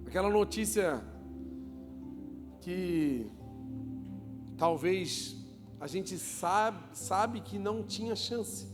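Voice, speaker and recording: A man with a high voice preaches to a congregation in a church, joking with the crowd, asking them questions and calling for applause. His voice rings out with a long reverb in the church hall. Soft music plays underneath. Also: extremely slow, pauses often. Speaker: pastor. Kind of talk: lively sermon to a congregation.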